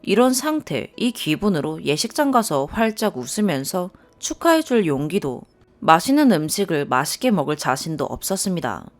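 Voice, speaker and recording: A young woman reading a first-person story aloud as narrator, expressive and lively. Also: on the low side, moderate pace.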